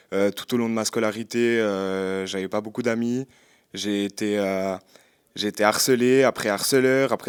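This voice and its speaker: Moderate pace and fairly even intonation in a Jura Swiss accent. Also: man. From Switzerland, Jura. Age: 20s. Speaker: singer. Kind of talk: interview. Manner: halting, many hesitations.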